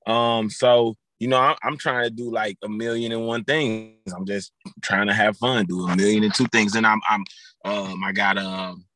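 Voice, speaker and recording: A man's voice: lowish voice, fairly even intonation, normal speed, fairly bright tone, dry recording, poor audio. A man in his thirties, a guest and football coach, talking casually on a podcast with many fillers and restarts. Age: 30s.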